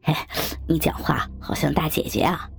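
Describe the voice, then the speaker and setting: A woman voicing a lecherous chubby teenage boy in whispered role-play, sly and leering, with soft music behind. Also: low voice, moderate pace, gravelly, a little hiss or hum, pitched below the performer's own voice.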